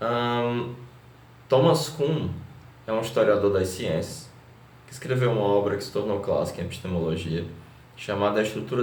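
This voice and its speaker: A man with a northeastern Brazilian accent speaks at medium pitch, somewhat breathy. Audible room echo surrounds his voice. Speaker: epistemologist and lecturer. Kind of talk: reading aloud and explaining a viewer question.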